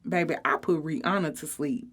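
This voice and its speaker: A woman's voice: low-pitched, fairly quick. A woman voicing a brash, boastful teenage girl with a sassy, snappy, slangy delivery in a storybook reading.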